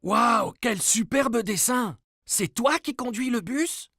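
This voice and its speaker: A kindly cartoon man, with a husky edge and very lively intonation. He speaks gently and encouragingly, as to a small child. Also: mid-range voice, slow, no room sound, clean studio sound, exaggerated voice. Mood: cheerful, kind.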